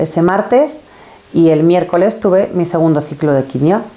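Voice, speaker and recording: A woman talks at a fairly slow pace with a fairly low pitch and ordinary pitch variation. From Spain (Salamanca, then Madrid from age 12); Spain. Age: 40s. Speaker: cancer patient sharing faith testimony. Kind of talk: testimony. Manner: hesitant, many fillers and repetitions. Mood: earnest, emotional. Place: studio. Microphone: lapel.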